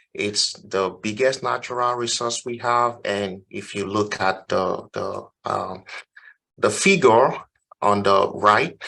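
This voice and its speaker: A man with a Nigerian accent speaks at a very slow pace. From Nigeria, Lagos. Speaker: early-career environmental engineering researcher. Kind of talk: webinar panel presentation. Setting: online webinar.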